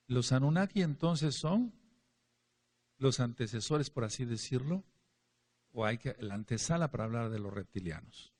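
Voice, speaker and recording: A man preaching a sermon and reading scripture aloud, emphatic, with his voice rising and falling. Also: mid-range voice. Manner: emphatic preaching, asks for amens, swings between loud and quiet.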